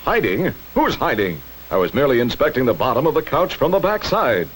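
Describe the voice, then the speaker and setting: An actor voicing a vain, pompous square-jawed hero in a 1960s cartoon. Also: male voice, mid-range voice, sing-song, a little fast, husky, rough recording. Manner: smug, pompous hero talk.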